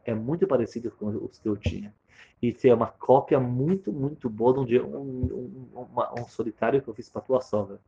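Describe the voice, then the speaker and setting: A man's voice: mid-range voice, normal speed, vocal fry, dark tone, slightly rough, highs cut off. A man voicing a precise, firm older jeweler in a sermon story, speaking in an insistent, emphatic way. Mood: explaining.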